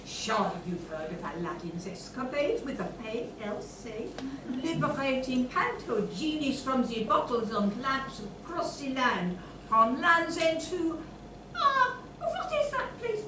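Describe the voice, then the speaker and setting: A woman's voice: sits high, sing-song, a little slow. A woman playing a vain, theatrical continental mademoiselle in a pantomime comedy sketch. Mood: insistent. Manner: theatrical, effusive. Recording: echoey, distant mic, clear noise.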